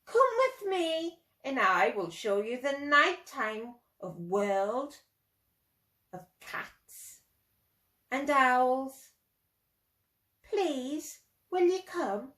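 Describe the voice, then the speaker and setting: A woman puts on a big black cat from a children's storybook, gentle and inviting. The lines come slowly with a lively lilt, in a roomy echo. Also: sits high, full character voice. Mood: gentle, coaxing. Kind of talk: children's storybook read-aloud.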